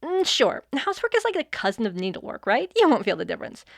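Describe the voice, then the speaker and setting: A sassy fairy played by a woman in an audio comedy, cocky and theatrical. Her voice sits fairly high and swoops around a lot, recorded close and dry. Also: wildly swooping pitch, quick pace, vocal fry, no room sound, heavily acted. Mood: exasperated. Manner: breezy, sardonic, theatrical. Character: cocky sarcastic female fairy wielding chaos magic. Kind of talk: audio fiction comedy acting.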